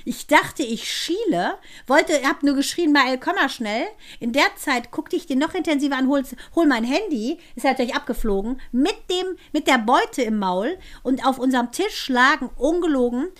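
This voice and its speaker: A woman's voice: high-pitched, moderate pace, few pauses. A middle-aged woman co-hosting a podcast, telling anecdotes in casual chat and laughing as she talks. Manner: lively storyteller, laughs while talking. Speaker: podcast co-host.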